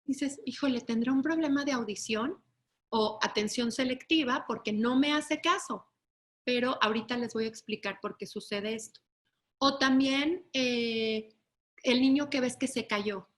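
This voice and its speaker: Lady teaching a webinar, high voice, keeps asking if everyone's following. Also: measured pace, a bit bright. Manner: explanatory, asks the audience "¿sí?" to check understanding; acts out children and parents in raised voices. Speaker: lecturer. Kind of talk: webinar lecture.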